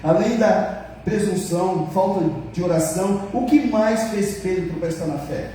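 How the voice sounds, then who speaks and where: A man's voice: high-pitched, a little slow, mellow, slight background noise. A man with a Brazilian accent preaching a sermon to his church, joking with the congregation and acting out the dialogue he tells. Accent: Brazilian Portuguese. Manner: jokes with the congregation; acts out quoted dialogue. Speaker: pastor. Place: church hall. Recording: very echoey hall, mic far off.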